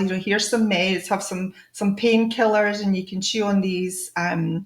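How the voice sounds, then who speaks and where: Delivered at a moderate pace with a Scottish accent, the speech has a monotone, flat intonation. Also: woman. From Scotland, Edinburgh. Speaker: wellness show host and healer. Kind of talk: interview chat.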